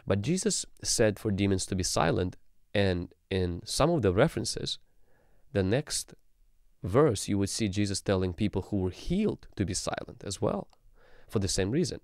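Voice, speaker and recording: A man in his thirties, a pastor, teaching calmly on a livestream into a studio mic in a small room, with frequent ums. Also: fairly low pitch, normal speed, vocal fry, dry recording. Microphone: studio mic on boom arm.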